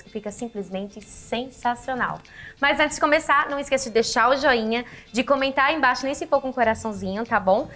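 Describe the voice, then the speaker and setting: A woman's voice: on the high side, fairly bright tone. A woman in her thirties from Brazil, hosting an upbeat recipe tutorial in a home kitchen, chatty and affectionate with her viewers. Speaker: cooking channel host.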